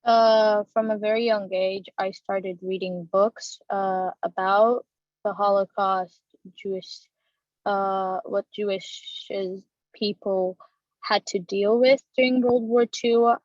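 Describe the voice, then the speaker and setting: A teenage girl, a student on a panel, answering in a thoughtful, measured way. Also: medium pitch, little pitch movement, a little mellow, no room sound, highs cut off.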